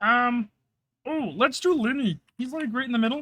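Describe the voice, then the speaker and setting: A female-sounding voice performs a put-on character voice at a fairly high pitch. The pace is moderate. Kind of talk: comic character impression. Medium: virtual streamer. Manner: chatty, thinking aloud.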